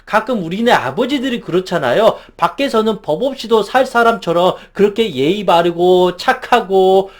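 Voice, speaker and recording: A man with a high voice delivers a motivational psychology lecture as a counselor. He speaks emphatically and keeps putting rhetorical questions to his listeners. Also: animated, moderate pace, few pauses.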